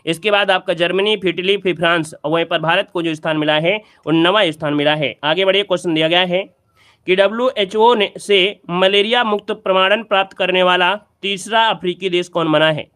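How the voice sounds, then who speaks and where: A man's voice: high voice, steady tone, brisk, a bit bright, smooth. A man teaching an exam practice lesson, quizzing the listener and repeating each key answer.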